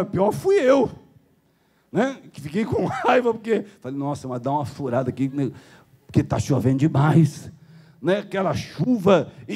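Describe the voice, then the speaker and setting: Animated Brazilian pastor with a lively, swooping voice. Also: male voice, husky. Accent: Brazilian Portuguese. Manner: animated storytelling, chuckling, climbs high when excited. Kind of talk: sermon. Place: church.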